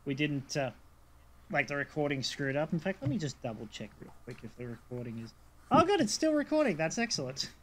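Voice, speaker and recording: A man's voice: a little high, very animated, brisk. A young man co-hosting a podcast, joking and teasing, drifting into conspiracy talk. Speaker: podcast co-host. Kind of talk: casual chat.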